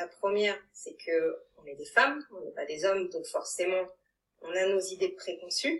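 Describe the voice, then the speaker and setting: This woman's voice has ordinary pitch variation. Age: 30s. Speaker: coaching client giving testimony. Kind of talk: testimony. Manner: halting, many hesitations.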